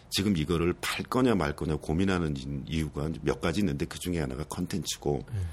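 Using a fairly quick pace, a man speaks in a very deep, low voice with vocal fry and ordinary pitch variation. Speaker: hearing aid company executive. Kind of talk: interview. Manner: formal, fluent.

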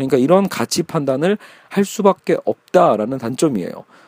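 A man speaks at a very fast pace and a fairly high pitch, with very wide pitch swings. His tone is dark and mellow, and the sound is dry and close with no echo. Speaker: lecturer. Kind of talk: lecture. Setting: home room, alone.

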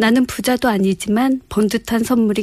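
A woman speaks in a fairly high, somewhat breathy voice. Her pitch varies in an ordinary way. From rural Korea. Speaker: poet. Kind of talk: reading aloud of listener poems.

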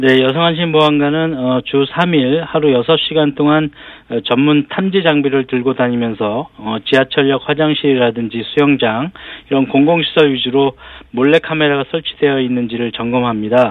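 A plain, everyday voice at a moderate pace, with very even loudness and fairly even intonation. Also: man, fairly high pitch for a man. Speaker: city government official. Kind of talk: formal policy briefing. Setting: phone call. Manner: formal.

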